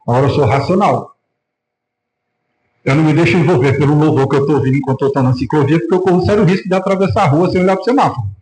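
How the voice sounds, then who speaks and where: Brazilian pastor guy preaching, kinda high voice, lots of room echo. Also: a little hiss or hum. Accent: Brazilian Portuguese. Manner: animated preaching, acting out quoted voices. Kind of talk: sermon. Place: church hall. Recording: echoey church room.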